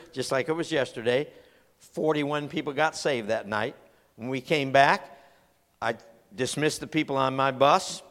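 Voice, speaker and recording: Male preacher, animated storyteller, bright tone, reverberant hall. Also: mid-range voice. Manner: animated storyteller, acts out voices and laughs. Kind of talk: humorous sermon illustration.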